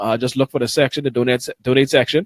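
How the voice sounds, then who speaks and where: A man with a Bahamian accent is heard in a dry, close recording with no echo. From The Bahamas. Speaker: podcast host. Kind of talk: casual chat.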